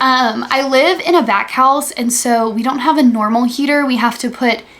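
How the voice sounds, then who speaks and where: A woman's high-pitched voice at a moderate pace with fairly even intonation, against noticeable background noise. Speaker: lifestyle vlogger. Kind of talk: casual vlog talk. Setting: home.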